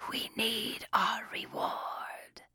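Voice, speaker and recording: A woman's voice: extremely slow, bright, forceful tone, no room sound, clean studio sound. Woman putting on a whispering male demon. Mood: menacing. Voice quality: deep harmonic voice. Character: menacing male demon creature, hunched and gloating.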